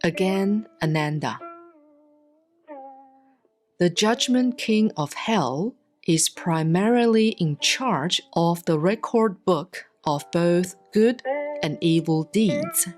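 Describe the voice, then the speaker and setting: A woman reads a Buddhist sutra aloud in a solemn, scripted style, with measured, deliberate enunciation and long pauses. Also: on the low side, expressive, darkish tone. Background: instrumental music.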